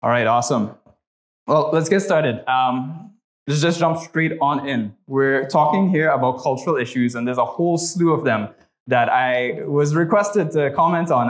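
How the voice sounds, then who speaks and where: A young man from Trinidad and Tobago with a Trinidadian accent, teaching a church class and leading a prayer, talking conversationally with many "right?" tags. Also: medium pitch.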